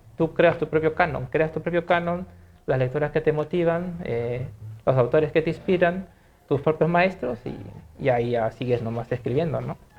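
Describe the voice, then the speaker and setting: A man with a Peruvian accent speaks at a moderate pace. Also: fairly high pitch for a man, ordinary pitch variation. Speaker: writer. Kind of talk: interview. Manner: hesitant, many fillers.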